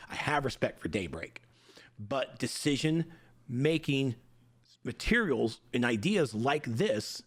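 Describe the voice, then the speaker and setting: A man in his forties, a gaming streamer, giving a heated, emphatic opinion rant straight to his viewers. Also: mid-range voice. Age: 40s.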